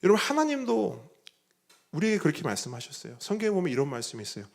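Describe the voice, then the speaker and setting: A male pastor delivers a Sunday sermon, his voice sitting somewhat high and moving with very lively, wide-ranging pitch. He keeps putting questions to the congregation, then answers them himself. He drops to hushed, low phrases and rises again to loud emphasis. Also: fast, vocal fry. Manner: preaching with rhetorical questions to the congregation.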